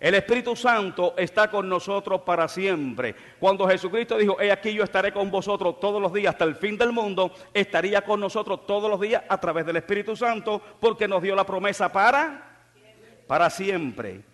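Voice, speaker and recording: A man's voice: high-pitched, brisk. Man, pastor, fervent sermon, raised voice at peaks, long hall reverb. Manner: fervent preaching, rising to shouts when excited. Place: church hall.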